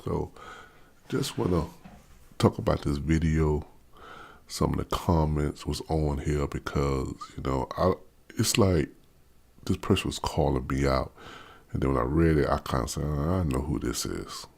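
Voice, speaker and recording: A man around fifty with a Maryland/Washington DC accent bluntly rants to camera in an unscripted vlog, repetitive and prone to stammering on restarts. His very deep voice is creaky and darkish, and he keeps a measured pace.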